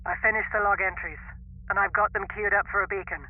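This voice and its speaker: A man's voice: high-pitched, fairly even intonation, fast, phone-quality sound, lightly acted. A man acting a weary captain of a doomed mining spaceship in a sci-fi audio drama, speaking with solemn, formal weight. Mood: tired, resolute. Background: music under the voice.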